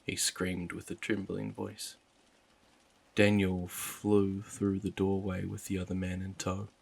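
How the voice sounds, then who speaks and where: Deep slow male horror narrator. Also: gravelly, breathy edge. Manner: low, even, unhurried storytelling. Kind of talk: scripted first-person horror narration.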